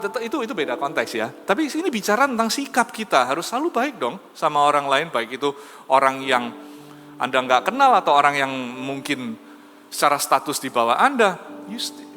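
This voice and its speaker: A man preaching a sermon as pastor in a conversational, animated storytelling manner. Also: a little high, fairly quick. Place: church. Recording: reverberant church hall with soft music.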